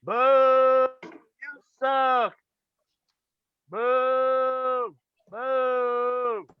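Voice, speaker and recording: A woman's voice: high voice, level tone, very slow, smooth, no echo. A woman playing a jeering wrestling fan, chanting repetitively in a staged reading. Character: jeering, heckling wrestling crowd member. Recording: dull lo-fi audio.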